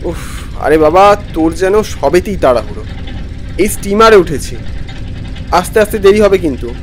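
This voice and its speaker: A man playing a weary traveller who narrates his own animated ghost story expressively. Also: high-pitched, moderate pace, slight background noise. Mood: weary, mildly irritated. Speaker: narrator and main character. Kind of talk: dramatized first-person horror narration.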